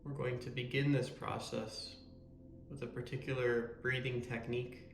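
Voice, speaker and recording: A man leading a guided meditation in a calm, measured, soothing way. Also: medium pitch, creaky, roomy sound, a little hiss or hum. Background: meditation music.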